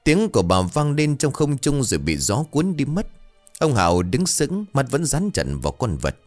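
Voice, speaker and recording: A man narrating a story in a suspenseful, expressive storytelling style. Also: mid-range voice, moderate pace, faint music behind.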